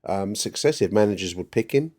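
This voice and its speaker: A man's voice: fairly low pitch, animated, a little fast, darkish tone. A man hosting a football podcast, chatting through his opinions in a rambling way and repeating words as he thinks. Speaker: podcast host. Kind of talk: conversational football commentary.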